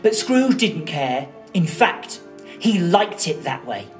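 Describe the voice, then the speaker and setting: A woman storyteller performs for children with theatrical flair. She takes her time, phrasing deliberately with lively swings of pitch, as soft music plays faintly behind her.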